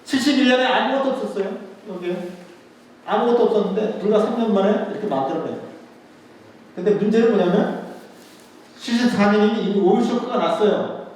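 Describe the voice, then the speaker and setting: Male lecturer, higher pitch, chatty style that repeats key points, recorded from afar in a reverberant hall with faint noise. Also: a little fast, long pauses, a little mellow. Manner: conversational, asks rhetorical questions and repeats key words. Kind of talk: history lecture to an audience. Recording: echoey hall, voice picked up from a distance.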